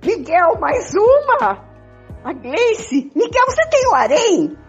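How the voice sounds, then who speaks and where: An older woman playing a pleading, jealous, melodramatic wife in an amateur radio soap opera, with a husky voice. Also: extremely high pitch, very animated, slow, heavily acted. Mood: exasperated. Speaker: amateur participant in a radio play. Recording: dull lo-fi audio with music.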